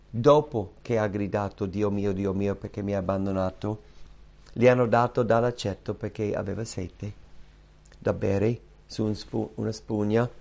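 Preaching with passion, this pastor keeps firing rhetorical questions, his delivery lurching from loud, high bursts down to quiet, low murmurs. His voice has a creaky quality.

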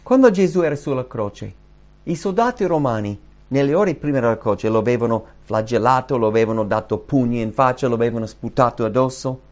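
A man preaching a sermon and reading scripture aloud, swinging between loud, high emphatic bursts and quiet, low asides. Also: brisk. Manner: reads scripture aloud to the congregation.

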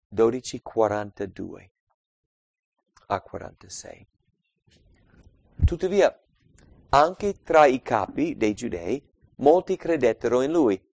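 A man preaching a Bible study, reading scripture aloud and explaining it, swinging between loud emphatic passages and quiet asides. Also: mid-range voice, dry recording. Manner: reads scripture aloud and explains it, calling out verse numbers.

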